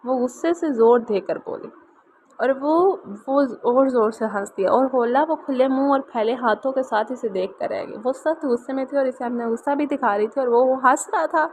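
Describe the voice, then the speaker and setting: A woman's voice: high voice, moderate pace, hardly any pauses, a little mellow, a little hiss or hum, rough recording. Woman reading a novel aloud. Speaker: narrator.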